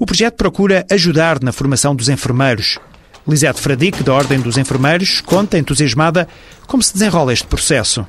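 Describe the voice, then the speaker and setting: A man's fairly quick, lively-intoned speech amid noticeable background noise. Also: fairly high pitch for a man, very even loudness. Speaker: radio magazine host. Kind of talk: scripted narration. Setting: studio. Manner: formal.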